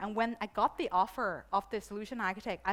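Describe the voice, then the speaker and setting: Speaking at a fairly quick pace, a woman with a Thai accent uses a fairly high pitch. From Thailand. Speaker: conference speaker, cloud solution architect. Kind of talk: conference talk. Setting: stage with audience. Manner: animated.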